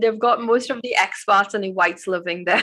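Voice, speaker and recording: A woman speaks in a southern Trinidadian accent at a fairly quick pace. Her voice is fairly high, with a bright, sharp tone. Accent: Trinidadian, South Trini. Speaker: podcast co-host. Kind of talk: casual chat.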